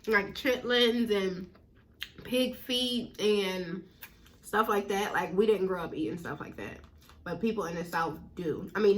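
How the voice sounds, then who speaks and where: A woman's voice: mid-range voice, a bit bright. Casting: American woman, mukbang host, casual and chatty, talking between and through bites of food. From northern United States. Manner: chewing while talking, with pauses to eat. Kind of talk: casual chat to viewers while eating.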